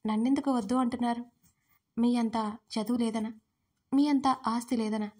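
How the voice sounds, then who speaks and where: A woman's voice: fairly high pitch, fairly even intonation, moderate pace, mellow, breathy edge. A woman voicing a tearful, desperate young woman in love, pleading in a crying voice in an audio story.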